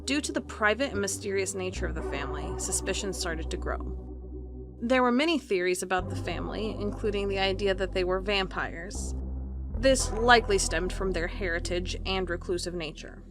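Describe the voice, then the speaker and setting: A woman acting as a wry young female office worker in an audio drama. Her delivery is dry and conversational at a middle pitch, with music clearly playing beneath it. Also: normal speed, natural voice. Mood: earnest, storytelling. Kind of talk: audio drama acting, casual chat and reading aloud.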